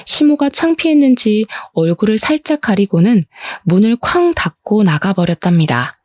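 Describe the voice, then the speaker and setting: A woman narrating a dramatized first-person family story in a steady, plain storytelling voice. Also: medium pitch, moderate pace, dry recording.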